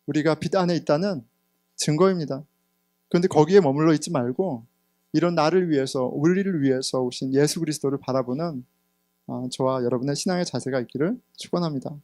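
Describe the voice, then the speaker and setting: Male pastor, 30s, sermon; fairly high voice, candid and personal, dynamic swings, dry sound. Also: brisk, dry recording. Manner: candid storytelling, sometimes laughing, swings between loud and hushed. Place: church sanctuary.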